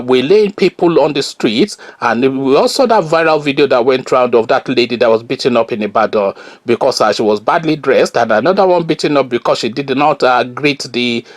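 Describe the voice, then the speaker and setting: Animated Nigerian man, scornful commentary. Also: medium pitch. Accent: Nigerian Yoruba. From Nigeria, Oyo. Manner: scornful, argumentative, many filler pauses. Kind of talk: solo opinion commentary.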